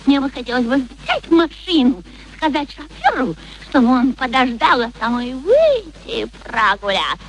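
A woman's voice: high voice, sing-song, moderate pace, slight background noise, rough recording. An actress playing a brash, naive young flower girl with uneducated, exclamatory chatter in a radio play. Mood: excited chatter.

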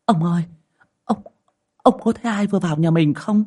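A man's voice: high voice, a little mellow, slightly rough, pitched above the performer's own voice. A man voicing a flustered older village wife who frets and exclaims. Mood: fretful. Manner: fussing, rapid exclamations.

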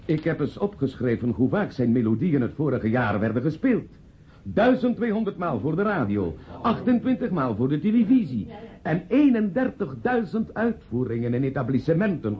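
An actor in a radio play voicing a jovial, self-important man making a pompous party speech. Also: a little high. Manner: pompous, chuckling oratory. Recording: muffled, noisy old radio play recording.

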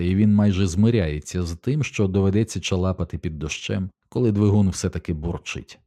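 Deep, dark-voiced male audiobook narrator. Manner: measured, steady reading. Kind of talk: scripted narration.

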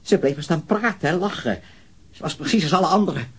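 An actor playing a disturbed, prudish murder suspect in a radio crime drama, halting, repetitive and defensive. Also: male voice, fairly high pitch, husky. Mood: evasive, hesitant. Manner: halting, repeating himself, defensive.

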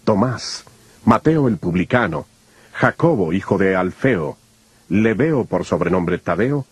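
A man narrating scripture from a script in a formal, measured manner. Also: deep voice, a little mellow, husky, no echo.

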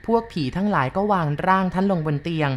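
A middle-aged woman with a fairly low voice tells a ghost story. She speaks to her listeners politely, slow and measured, building the eerie scene step by step. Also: slight background noise.

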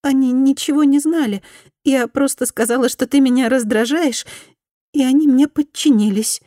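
A woman's voice: sits high, normal speed, warm tone, no room sound, clean studio sound, voice pushed up, natural voice. A woman voicing a remorseful former schoolgirl bully, now a housewife, who pleads in a thin, small, faltering voice and stammers slightly. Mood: confessing.

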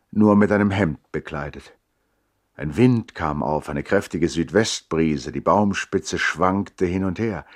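An actor playing a reflective, melancholy brother who narrates a literary radio play in a measured, emphatic, theatrical way. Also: male voice, deep voice. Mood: measured, recounting.

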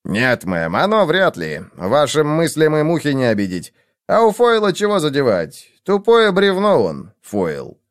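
Folksy chatty sergeant, a male reader putting him on, higher and animated. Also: measured pace. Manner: rustic, chatty. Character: plain-spoken folksy police sergeant.

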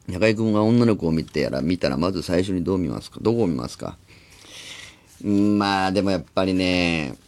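A man in his forties, a radio host, talking in rambling casual chat with animated acted-out asides, in a studio. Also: deep voice. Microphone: studio microphone.

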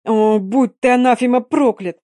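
A woman's voice: a little high, expressive, a little fast, dry recording, studio quality, voice pushed up, close to an everyday voice. A woman reading a novel aloud, voicing a proud young Gypsy singer who speaks sharply and with passion. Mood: furious. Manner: sharp, impassioned.

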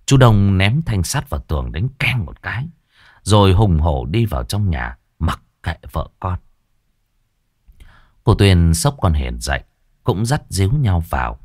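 A man tells a ghost story with dramatic, lively inflection. His voice sits low, and the recording is close and dry. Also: unhurried, no echo. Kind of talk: scripted ghost story narration.

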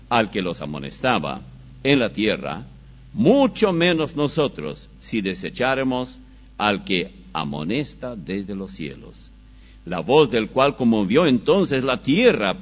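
Male preacher teaching a Bible study, unhurried and emphatic, dull lo-fi sound. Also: medium pitch. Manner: slow, emphatic scripture reading with animated rises. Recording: dull lo-fi recording.

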